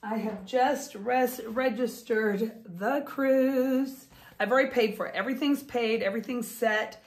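A woman's voice: a little high, measured pace. A woman in her fifties talking casually to camera at home, chatty and enthusiastic, gesturing with her hands as she talks. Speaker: vlogger and author. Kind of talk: casual talking-head vlog. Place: home room, indoors. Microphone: phone or webcam close up.

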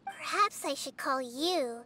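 A woman's voice: sits high, slow, bright, forceful tone, a little hiss or hum, full character voice. A woman voicing a small, earnest and composed girl deity in a scripted video game. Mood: serious, composed.

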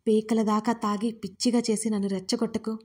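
A woman's voice: fairly high pitch, little pitch movement, a little fast, a little mellow, breathy edge. Woman voicing an exasperated, mock-stern young man.

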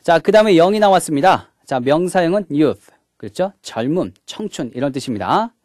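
A man's voice: a little high, animated, moderate pace, darkish tone, no room sound, studio quality. A man giving a recorded English grammar lecture, walking through each point step by step and opening each one with a short "자". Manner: mixes English words into the explanation.

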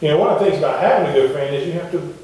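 A middle-aged man preaching a sermon to his congregation in a wooden church, talking in a relaxed, conversational way and asking the pews questions. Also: on the high side, racing. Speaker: pastor. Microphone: far camera at the back of the church. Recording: echoey church heard from far off.

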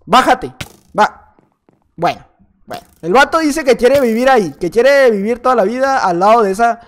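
A man's voice: very high voice, animated, normal speed. A young man with a Mexican accent gives playful, chatty gameplay commentary, repeating his phrases as he plays. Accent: Mexican Spanish. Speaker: gaming YouTuber.

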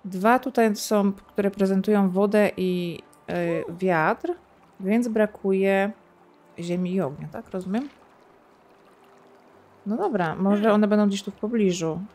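A woman's voice: mid-range voice, slow pace, a little mellow. Chatty woman narrating her gameplay. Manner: chatty, thinks aloud, playful sound effects. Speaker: gaming streamer. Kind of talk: casual let's-play commentary.

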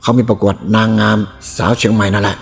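A man voicing a wealthy, indulgent father who coaxes and blusters in a coarse way, with long reverb and soft music behind. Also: lowish voice, level tone, quick pace, lightly acted. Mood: coaxing.

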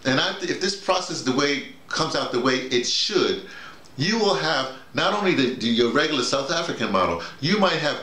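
In a bare-walled little bedroom with echoey acoustics, this middle-aged audio drama workshop leader guides a casual discussion. He speaks at an ordinary speed in a fairly high, animated voice that comes across bright and forceful. Repetition and acted-out examples give his points their emphasis.

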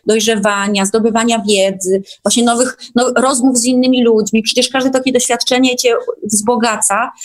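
A woman talking casually as a guest in an online discussion, often repeating words for emphasis. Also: fairly high pitch. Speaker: guest, workshop participant.

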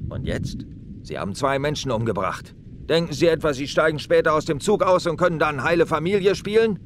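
An actor playing a police detective talking a kidnapper down in a radio drama, firm and persuasive. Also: male voice, fairly high pitch, expressive, fairly quick, noisy background, close to an everyday voice. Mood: urgent. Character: calm male police detective negotiating. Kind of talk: audio drama acting.

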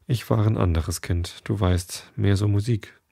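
A man voicing a gentle, chatty Italian waiter who speaks broken German. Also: on the low side, fairly even intonation, a little slow, gravelly, dry recording, studio quality. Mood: wistful.

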